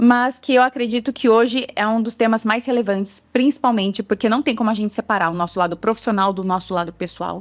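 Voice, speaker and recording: A woman with a São Paulo accent speaks at a fairly quick pace. Her pitch is fairly high with ordinary pitch variation. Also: hardly any pauses. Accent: Campinas. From Brazil, São Paulo. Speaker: leadership and behavior consultant. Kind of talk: podcast interview.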